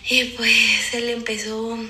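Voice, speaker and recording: A Mexican woman in her twenties, telling a story in casual chat, animated and dramatic, acting out what people said. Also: on the high side, slow. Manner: animated, dramatic retelling with acted-out quotes. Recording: echoey room.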